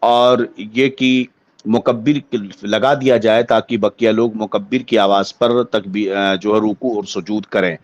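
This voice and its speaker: A man's voice: lowish voice, fairly even intonation, no echo, muffled recording. Indian Muslim cleric, man, dry close sound. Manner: deliberate, formal scholarly phrasing with listed points. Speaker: Muslim cleric answering religious questions. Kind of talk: religious ruling explained as a spoken lecture.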